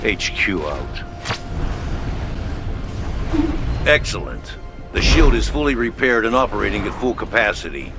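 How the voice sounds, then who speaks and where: Gruff hq officer, brisk orders, swears a lot, loud music under him. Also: male voice, fairly low pitch, sing-song. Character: gruff male headquarters officer on the radio.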